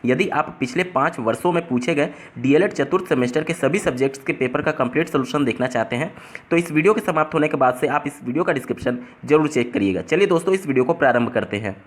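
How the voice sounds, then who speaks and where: A man with a somewhat high voice tutors his way through an exam paper. He explains step by step and rephrases each term in plainer words. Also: fast. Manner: explains step by step, restating terms in simpler words.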